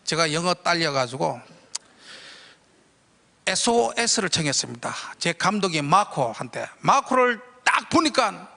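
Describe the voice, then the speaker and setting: A middle-aged man telling a church testimony, animated and bursting into shouted quotes. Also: high voice, unhurried, gravelly, in a large hall. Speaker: guest speaker giving a testimony.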